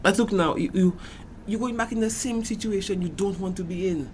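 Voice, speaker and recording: A man's voice: sits high, fairly quick, natural voice. A flamboyant, sympathetic gay man played by an actor with a Caribbean accent, in an audio drama. He talks like a gossipy confidant, theatrical and sassy, with noticeable noise behind the voice. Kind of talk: conversational audio drama acting.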